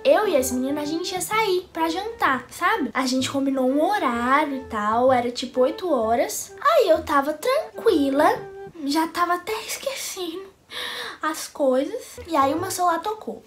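Young woman, high voice, dramatic storyteller, faint music behind. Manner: animated, dramatic, fast-talking with quick pitch jumps. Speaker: vlogger. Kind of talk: casual storytelling.

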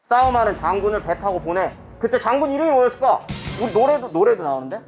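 A woman's voice: medium pitch, big pitch swings, fast, a little mellow, soft background music. A woman teaching history to a class of children, telling the story and quizzing the pupils as she goes. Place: school classroom.

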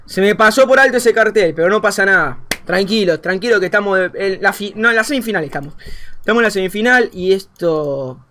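A young man with an Argentine Spanish accent, commentating a game as a streamer, thinking aloud and swinging between quiet muttering and excited outbursts. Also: high-pitched, brisk. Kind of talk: gameplay commentary.

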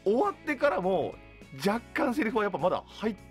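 A man's voice: high-pitched, very animated, a little fast, over music. A man hosting a casual radio talk show, speaking into a studio microphone. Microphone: studio boom microphone.

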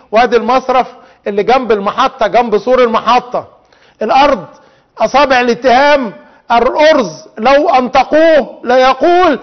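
Man, Egyptian accent, TV host, high voice, indignant rhetorical monologue, muffled lo-fi sound. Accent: Egyptian Arabic. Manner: indignant, rhetorical, addresses officials directly. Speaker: TV talk show host. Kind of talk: televised monologue. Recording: dull lo-fi TV audio.

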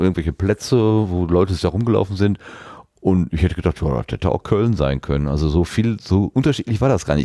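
Guy hosting a podcast, dark relaxed voice, dry sound, kinda feels his way through sentences. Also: low-pitched, no room sound. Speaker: podcast host. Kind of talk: casual podcast moderation.

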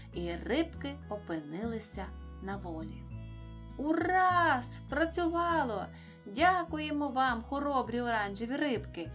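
A woman reading a children's story aloud, gentle and expressive. She reads clearly and evenly, at a medium pitch.

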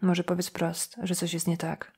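A woman's voice: fairly low pitch, monotone, moderate pace, a little mellow, slightly rough. A woman reading the lines of a guarded woman investigator who answers curtly and keeps things to herself.

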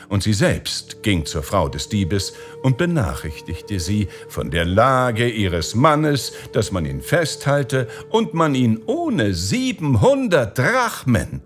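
Give me a man narrating an audiobook tale slowly and expressively. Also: on the low side. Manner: measured, dramatic reading. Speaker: storyteller.

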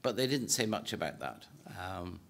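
Measured Irish man lecturing, low voice. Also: big pitch swings, a bit bright. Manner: measured, hesitant, many fillers and restarts. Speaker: political science professor giving a presentation. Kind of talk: formal lecture talk. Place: conference hall with audience. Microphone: podium microphone.

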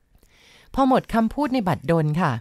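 A woman's voice: fairly quick, darkish tone, no room sound, studio quality. A woman narrating a ghost story in a dramatic, vivid telling.

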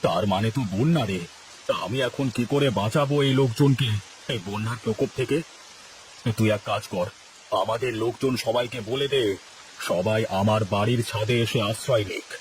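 A man voicing an anxious, generous village landlord in a cartoon, speaking low and pleading. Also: moderate pace, a little hiss or hum, natural voice, low-quality recording. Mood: worried. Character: worried old village landlord, male, generous. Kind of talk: cartoon voice acting.

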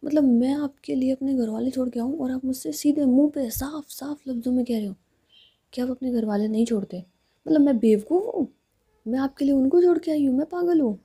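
A woman's voice: medium pitch, moderate pace, vocal fry, warm tone, slightly rough. A woman voicing Preet, a devoted young lover. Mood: indignant.

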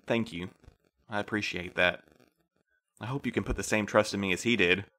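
Einen ruhigen, tiefen Postmeister. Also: male voice, lowish voice. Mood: calm. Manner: gentle, measured, soothing. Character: calm patient middle-aged male postmaster interviewer. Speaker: postmaster interviewing new couriers. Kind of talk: audio drama acting.

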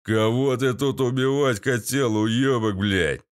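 A man voicing a rough, foul-mouthed former paratrooper comrade in an audiobook. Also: medium pitch, takes it slowly, close to an everyday voice. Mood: gruff. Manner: coarse, gruff, offhand cursing.

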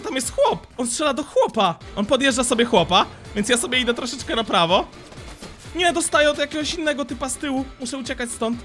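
A young man giving excited gameplay commentary as a streamer, jumpy and quick to laugh. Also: very high-pitched. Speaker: gaming streamer.

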